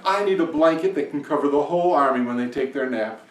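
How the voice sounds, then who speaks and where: A man's voice: fast, echoey room, distant mic, close to an everyday voice. A man voicing an anxious, pleading young husband in a folktale, with emphatic, stretched-out delivery. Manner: calls out in long high shouts, pleads emphatically.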